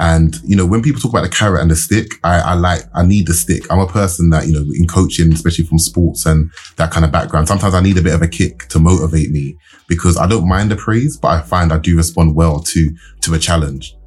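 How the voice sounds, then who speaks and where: Very fast, somewhat breathy speech in a British accent, with very even loudness and ordinary pitch variation. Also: man, very deep, low pitch for a man. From UK. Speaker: podcast co-host. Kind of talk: casual chat.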